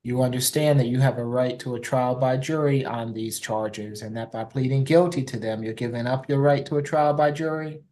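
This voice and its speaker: A male judge runs formal courtroom questioning in a polite, measured way. His voice is mellow and relaxed, and the pitch stays quite flat.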